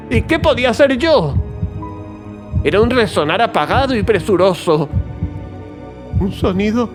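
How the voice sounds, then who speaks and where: A tormented, unhinged murderer telling his confession in a horror audiobook. The voice is high for a man and slow, with theatrical, agitated emphasis. Music plays clearly behind it. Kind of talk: dramatized first-person horror audiobook narration.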